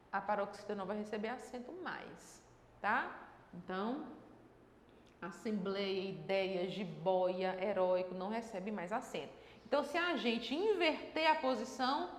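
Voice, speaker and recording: A woman with a fairly high voice walks through a grammar lesson, explaining each rule step by step and often pausing to check in with her listeners. Her throat is a little dry. The room is echoey, with a long reverb trailing her words. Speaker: Portuguese grammar teacher. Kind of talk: exam-prep grammar lesson.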